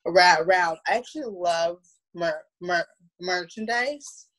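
A woman's voice: on the low side, measured pace, fairly bright tone. A woman in her thirties chatting casually as a guest on a video call, stammering on the first syllables of words. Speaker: guest, theatre producer. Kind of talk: casual chat. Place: home room, on a video call. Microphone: video call, wearing headphones.

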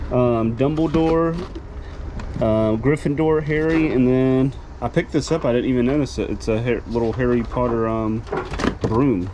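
An easygoing man talks through what he finds as he digs through boxes in a storage container. His voice sits at an ordinary middle pitch. A clear hiss of noise runs under the body-cam recording. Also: steady tone, measured pace, lo-fi sound. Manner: easygoing, thinking aloud while sorting. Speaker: storage auction reseller. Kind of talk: casual unboxing commentary. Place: inside a storage container outdoors. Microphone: body-worn camera. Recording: noisy handheld outdoor recording.

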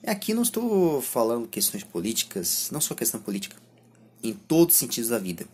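A man in his twenties with a Brazilian accent and a husky voice, speaking a reflective monologue to camera as a vlogger, halting between short phrases. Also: medium pitch, big pitch swings, darkish tone. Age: 20s. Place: small indoor room lined with bookshelves. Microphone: phone or camera at arm's length.

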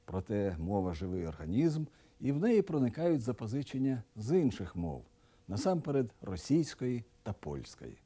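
Dark-voiced man teaching word stress. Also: lowish voice, sing-song. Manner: clear, deliberate, drilling word pairs with stressed contrasts. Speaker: language teacher. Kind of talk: scripted educational narration.

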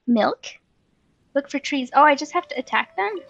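A woman hosts a let's play, chatting casually while she games, thinking out loud, letting out playful exclamations and muttering to herself. Her voice is high and fairly bright with vocal fry, and the audio sounds dull.

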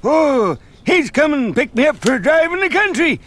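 A man's voice: very high voice, very animated, moderate pace, a bit bright, exaggerated voice. A man playing a frail, senile old grandfather who rambles and dithers in a comic video game. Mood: confused, delighted. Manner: confused, dithering.

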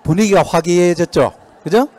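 A man giving a motivational sales lecture in a lecture hall, lively and constantly asking the audience rhetorical questions. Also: sits high, fairly quick, a faint crowd. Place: lecture hall at a training center.

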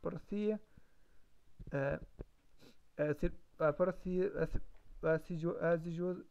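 A man's voice: on the high side, slow, gravelly, a little mellow, clean tone. A man practicing on a live stream, hesitant, full of fillers and self-corrections. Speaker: language learner streamer. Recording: dull lo-fi stream mic.

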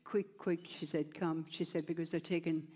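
A woman's voice: low voice, fairly even intonation, normal speed, darkish tone, breathy edge. Older lady on stage with a headset mic, chatty and rambling, keeps saying you know. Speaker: interview guest. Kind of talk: onstage conversation, personal story. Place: stage at a large gala, indoors.

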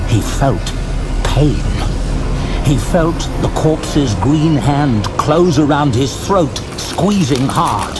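A man narrating a scripted fantasy story dramatically, in a measured, suspenseful manner. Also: on the low side. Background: music.

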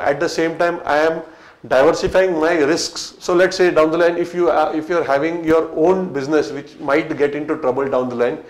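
A man in his thirties with an Indian English accent, talking to camera in front of a whiteboard as a business coach, with many fillers and restarts. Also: on the high side. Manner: conversational, many fillers and restarts, gesturing while explaining. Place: small room in front of a whiteboard, indoors. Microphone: fixed camera, medium shot. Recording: echoey small room.

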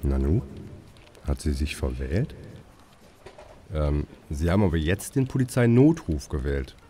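Low dark male voice, sarcastic dispatcher, radio play narration, faint noise. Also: lively intonation, a little slow, husky. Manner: dry and sarcastic.

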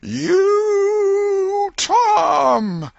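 Guy doing a fussing old auntie, drawl, highish, raspy, all over the place. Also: sing-song, normal speed, bright, forceful tone, no room sound, muffled recording, exaggerated voice. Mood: shouting. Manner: scolding, exclaiming, folksy dialect. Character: fussy, soft-hearted old aunt, scolding.

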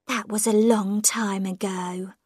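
A woman voicing a quiet, strained man who speaks in a withdrawn way in a storybook reading. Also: mid-range voice, fairly even intonation, slow, breathy edge, dry recording, studio quality. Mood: tense. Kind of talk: audiobook character voice.

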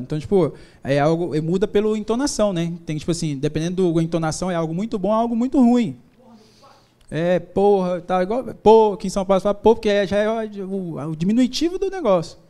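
A man with a slightly high, warm voice delivers a live motivational talk from an event stage. As a business speaker, he keeps things informal and jokey, weaving together faith, business anecdotes and slang for the audience.

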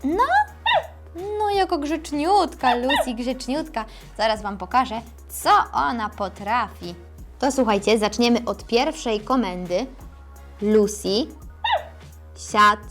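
A woman's voice: a little high, takes it slowly, fairly bright tone, soft background music. A woman with a Polish accent demonstrating a toy puppy for children, coaxing it sweetly and giving it commands.

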